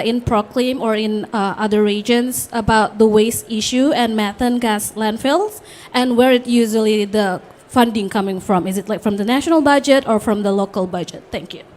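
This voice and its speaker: A woman from Indonesia, a researcher asking a panel a question, brisk and polite. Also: on the high side, darkish tone. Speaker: researcher in the audience.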